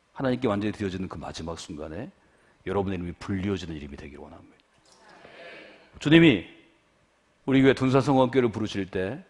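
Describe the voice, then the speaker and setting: Middle-aged guy preaching a revival sermon, super animated pitch, goes quiet then loud and fired up. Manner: swings from hushed low asides to loud fervent exhortation. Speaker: guest pastor.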